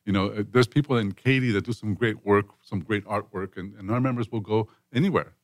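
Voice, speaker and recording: A man's voice: lowish voice, fairly quick, no room sound. A man hosting a casual conversational podcast, chatty and emphatic, often repeating himself for effect. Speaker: host and business chamber leader.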